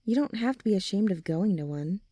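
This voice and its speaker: A supportive teenage girl played by a woman speaks in a mellow, relaxed voice, recorded close and dry. She is gentle and reassuring, chatting informally like a caring best friend in an ASMR audio drama. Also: medium pitch, fairly quick, dry recording, close to an everyday voice. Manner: gentle, reassuring, informal, often sighing or softly laughing.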